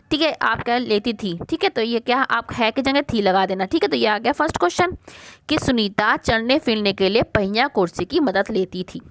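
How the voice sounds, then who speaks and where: A woman teaching a worksheet lesson to young pupils. She asks a question, answers it herself, repeats the words slowly and calls the children "beta". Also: a little high, dry recording. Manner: mixes English words like question, first into her talk.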